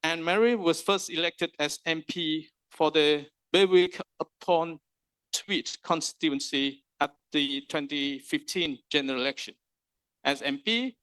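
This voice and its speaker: A man's voice: a little high, a bit bright, clean tone, no echo, low-quality recording. A man hosts a conference and gives a polite, formal introduction of the keynote speaker, with hesitant fillers.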